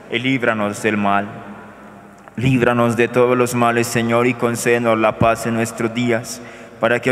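Field: Priest. Sex: man. Delivery: flat, solemn liturgical recitation. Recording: church with long echo. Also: medium pitch. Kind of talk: celebrating Mass, praying aloud. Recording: echoey church with long reverb.

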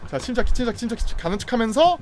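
A man streaming a game, commenting excitedly with loud outbursts and frantic repeated words. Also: very high voice, racing. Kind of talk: excited live gameplay commentary.

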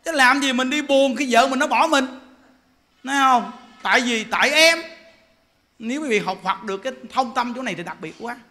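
A Buddhist monk preacher in his forties, with a Southern Vietnamese accent, speaks in a very high-pitched, bright, forceful voice at a fairly quick pace. His dharma talk is joking and full of laughter and rhetorical questions.

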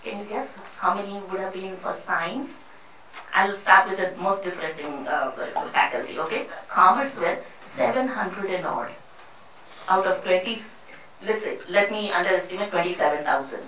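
Bright-voiced woman speaking in an echoey hall. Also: medium pitch, a little hiss or hum. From India. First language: not Hindi; English not first language. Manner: halting, many restarts and fillers, earnest. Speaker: panel speaker. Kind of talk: public talk at a panel. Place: seminar room with a panel seated before a screen. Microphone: handheld mic. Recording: echoey room picked up from a distance.

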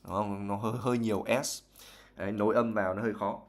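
A man's voice: fairly low pitch, steady tone, fast talker. Vietnamese man explaining English vocabulary. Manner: reads passages, then explains words at length. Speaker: English teacher. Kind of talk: live-stream vocabulary lesson reading a novel aloud.

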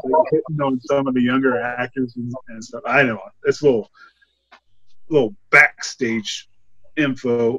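A man's voice: mid-range voice, rough recording. A man in his thirties co-hosting a horror podcast, reviewing a film in a loose, rambling way and laughing often, over a desk mic on a video call from home. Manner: rambling, laughing, animated when amused. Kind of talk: casual film review chat. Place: home room.

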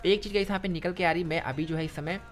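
A man's voice: high voice, steady tone, fast. A young man narrating a step-by-step phone tutorial, often addressing viewers informally and repeating himself. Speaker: tech tutorial YouTuber. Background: background music.

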